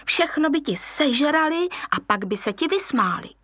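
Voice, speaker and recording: A woman's voice: high voice, animated, bright, forceful tone, no echo, studio quality, pitched above the performer's own voice. A woman voicing a proud lioness mother who fusses over and warns her cub. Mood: admonishing. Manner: doting, admonishing.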